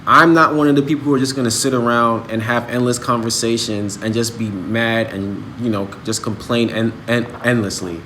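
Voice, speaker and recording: A man's voice: mid-range voice, steady tone, normal speed, hardly any pauses, sharp tone, slight background noise. A man in his thirties talking casually and earnestly to his viewers about learning languages, with many restarts. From United States. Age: 30s. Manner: earnest, motivational, talks in restarts. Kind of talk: casual vlog monologue. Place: outdoors, then a restaurant.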